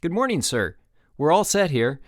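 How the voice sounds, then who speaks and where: Young head counselor, storybook, male narrator playing him: respectful, eager, brisk, pitched up. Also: big pitch swings, dry recording, clean studio sound.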